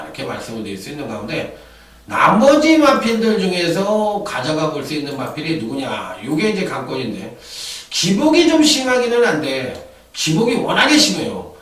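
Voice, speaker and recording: A man giving horse racing tips in an animated, chatty commentary style with lively asides. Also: on the high side, recorded from a distance. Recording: echoey room, off-mic.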